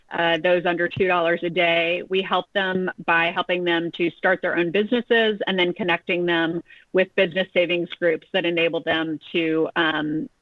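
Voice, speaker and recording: A woman introducing her foundation and nonprofit on a panel, measured, with frequent "um" pauses. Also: on the low side, no echo. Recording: dry muffled lo-fi audio.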